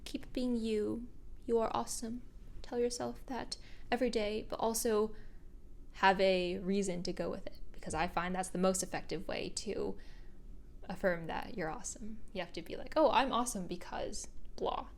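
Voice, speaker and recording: A woman's voice: medium pitch, steady tone, normal speed, gravelly, slight background noise. Earnest, upbeat young woman vlogger. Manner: earnest and upbeat, often laughing softly. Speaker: video creator. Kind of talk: reflective motivational vlog monologue.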